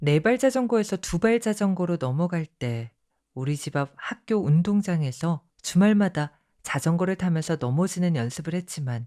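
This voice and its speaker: A woman speaks in a dark, mellow, soothing tone. Her pitch swings very widely. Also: moderate pace. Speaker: audiobook narrator. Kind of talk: audiobook reading of essays. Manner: soft, soothing.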